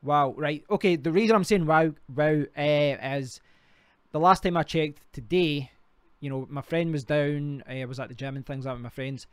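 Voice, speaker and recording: A man's voice: fairly high pitch, moderate pace, smooth, no echo. A Scottish man hosting a casual live stream, rambling and talking to himself while clicking through sites. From Scotland. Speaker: crypto livestream host.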